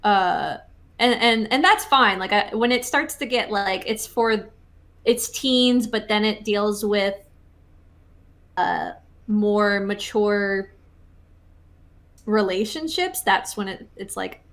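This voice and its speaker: A woman co-hosts a podcast in a loose, casual chat. She talks at an ordinary middle pitch, stops and restarts her sentences, and fills gaps with lots of little fillers. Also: slow, long pauses, fairly bright tone. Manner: chatty, heavy on fillers and restarts. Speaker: podcast co-host.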